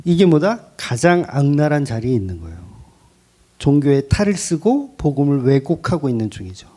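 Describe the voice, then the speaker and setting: A man preaching a sermon as pastor, in an animated way with rhetorical questions and emphatic repetition. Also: on the high side, moderate pace. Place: church.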